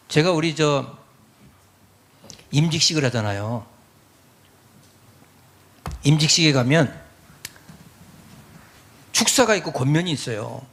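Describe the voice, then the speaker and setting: A middle-aged pastor preaching to his congregation with a fairly high voice. He talks in an animated way and keeps slipping into the voices of parents and churchgoers to make his points. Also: gravelly. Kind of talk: sermon.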